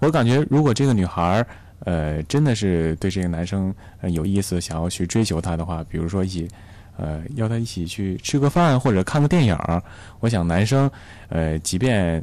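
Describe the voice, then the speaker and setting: A man with a very deep, low pitch and a dark, mellow tone speaks at a moderate pace with lively intonation. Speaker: university student guest. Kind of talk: radio call-in advice chat. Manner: hesitant, many fillers.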